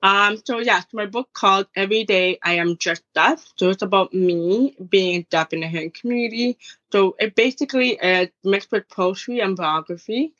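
A woman's voice: mid-range voice, normal speed, a bit bright, lo-fi sound. A woman in her twenties, an author talking casually in an interview, stringing her thoughts together with "so" and "like.". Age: 20s. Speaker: author guest.

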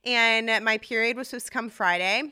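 A woman's voice: a little high, moderate pace, sharp tone, clear, resonant tone. A woman in her thirties hosting a casual solo podcast, talking in a chatty, confiding way with many restarts and asides. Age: 30s. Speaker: podcast host.

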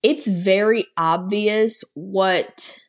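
A woman's voice: medium pitch, very slow. A woman co-hosting a podcast, recapping a horror movie in a chatty, sarcastic way and saying "like" a lot. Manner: chatty and sarcastic, heavy use of "like". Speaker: podcast co-host. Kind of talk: casual film recap.

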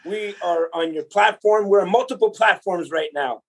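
A man's voice: high voice, normal speed, creaky, breathy edge. A man in his forties from El Salvador, a podcast guest telling his life story in an earnest, motivational way. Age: 40s. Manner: earnest, motivational, speaks to the listener directly. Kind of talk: conversational storytelling.

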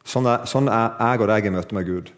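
A man preaching a sermon to a congregation, chatting with them and asking them questions, joking about himself, then building to emphatic, lifted declarations. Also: lowish voice. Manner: conversational, asks the audience questions, builds to emphatic lifts; self-deprecating humor with laughs.

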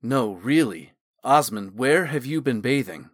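A man's voice: mid-range voice, expressive, unhurried, no echo, clean studio sound. A man voicing a teasing, smug but fond male guardsman in an audiobook, with a wry way of talking. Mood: concerned. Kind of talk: audiobook character dialogue.

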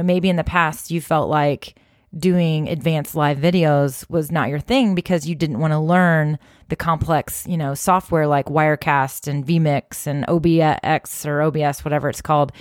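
Talking straight to her viewers, a social media marketing host offers encouraging, chatty advice with many casual "you know" fillers. She has a low voice with a steady tone and moderate pace, recorded clean in a studio with no room sound.

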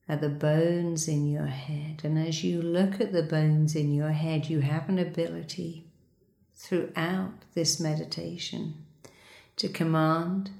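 A woman leading a guided meditation, giving slow, soothing, repetitive instructions for breathing and a body scan. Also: sits low, gravelly, darkish tone, roomy sound.

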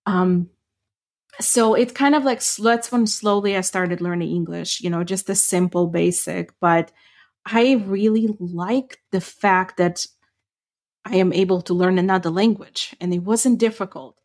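A woman's voice: fairly low pitch, a little slow, darkish tone. Middle-aged woman, thoughtful. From Ukraine. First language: Ukrainian. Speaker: podcast co-host. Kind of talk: casual chat.

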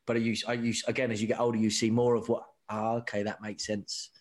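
A man in middle age talks candidly about his career, animated and full of restarts and repeated words. His pitch sits in an ordinary middle range, and he drops in "mate" as he retells conversations. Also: fast. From England. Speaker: rugby sevens coach, guest.

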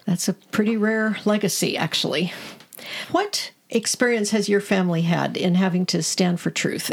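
A woman's voice: mid-range voice, gravelly, darkish tone, slightly rough. An older woman co-hosting a podcast, asking earnest, probing questions in a conversational interview. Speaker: podcast co-host.

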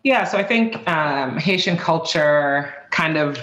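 A woman's voice: low-pitched, animated, slow pace, low-quality recording. Chatty woman guest from Boston. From Boston, USA. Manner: chatty, warm, many ums and likes, laughs easily. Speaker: guest, tech author. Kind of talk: casual interview.

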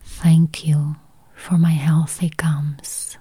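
Low breathy whisper, woman leading a meditation, super slow and mellow. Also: level tone. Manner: slow, soft, repetitive counting. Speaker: meditation guide. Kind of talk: guided meditation.

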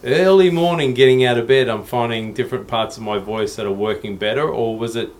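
A man's voice: medium pitch, a little fast. A man hosting a casual interview, talking with eager enthusiasm and casual swearing. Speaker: podcast host.

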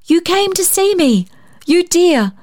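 A woman's voice: very animated, slow, darkish tone, exaggerated voice. A woman voicing a lonely, affectionate storybook lady who gushes tenderly. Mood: delighted, tender. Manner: gushing, tender, high-lifted. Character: lonely, wistful, affectionate woman, effusive with delight.

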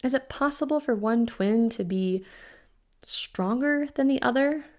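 A woman's voice: on the high side, a little slow, a little mellow, pitched above the performer's own voice, natural voice. A woman voicing a nauseated young pregnant woman who speaks weakly and hesitantly. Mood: weary, hesitant. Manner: weak, hesitant.

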